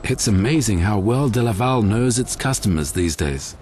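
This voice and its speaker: An actor voicing a thoughtful dairy farmer in a scripted advertisement voice-over. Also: male voice, on the low side, expressive, normal speed, darkish tone, a little hiss or hum, close to an everyday voice. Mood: reflective.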